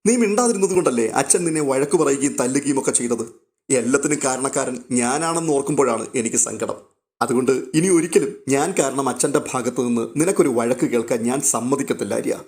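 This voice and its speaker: A man's voice: mid-range voice, fast talker, a little mellow, natural voice. A man voicing a guilt-ridden young husband and elder brother, speaking with remorse. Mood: remorseful. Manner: pleading, remorseful.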